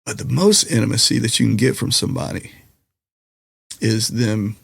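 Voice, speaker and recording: A middle-aged man, a musician and comedian, talking candidly on a podcast in a slightly raspy voice, mixing jokes with reflection. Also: on the low side, lively intonation, moderate pace, dry recording, clean studio sound. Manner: candid, reflective, jokey storyteller. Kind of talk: casual conversational interview.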